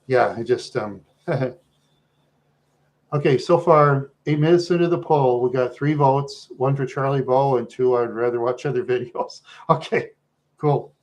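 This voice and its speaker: A man with an American accent chatting casually to viewers as a livestream host, rambling along in a talkative, halting way. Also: mid-range voice, a little mellow.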